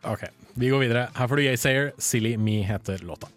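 A young man co-hosting a comic radio chat, teasing and quickly playing along with his partner's jokes. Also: medium pitch, loud music behind the voice. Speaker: podcast co-host.

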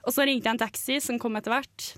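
A woman's voice: on the high side, steady tone, a bit bright. A young woman, co-hosting a radio show and telling a story in a casual chat. She laughs often and uses many fillers. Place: radio studio.

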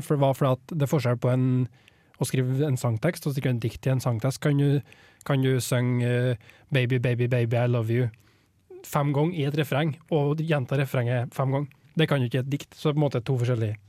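Hesitant man with a mellow voice. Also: mid-range voice, fairly even intonation, dry recording, clean studio sound. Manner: hesitant, many fillers. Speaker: book reviewer on a radio show. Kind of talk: casual radio chat and poem reading.

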